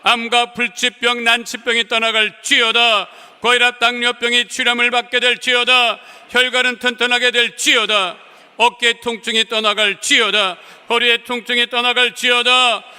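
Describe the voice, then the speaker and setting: A male pastor preaching and praying fervently, with emphatic declarations that swell loud and fall soft. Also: extremely high pitch, level tone, normal speed, clean tone. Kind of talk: sermon and fervent prayer. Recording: long church reverb.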